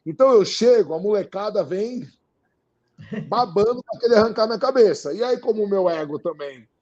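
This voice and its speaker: A man talking casually in an interview, with a Brazilian Portuguese accent. He talks in an animated way, repeating phrases for emphasis and acting out what others said. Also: high voice, normal speed, highs cut off. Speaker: guest.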